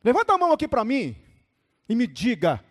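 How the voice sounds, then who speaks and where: A male pastor preaches in an unusually high voice that swoops widely as he tells stories. He turns to his congregation and calls people by name. The sound rings with the long reverb of a church hall. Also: fairly quick. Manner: animated storytelling, calling on listeners by name. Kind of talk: sermon.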